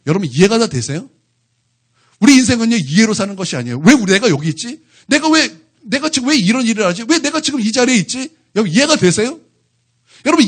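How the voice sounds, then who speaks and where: A pastor preaches to his church in a husky voice pitched fairly high for a man. His delivery is animated, lively and conversational rather than solemn, and his pitch swings widely as he fires question after question at the congregation.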